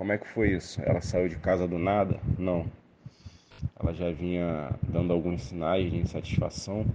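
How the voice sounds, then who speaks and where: A man's very deep, low pitch, moving at a moderate speed with fairly even intonation. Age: 40s. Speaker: testimony giver. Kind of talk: testimony.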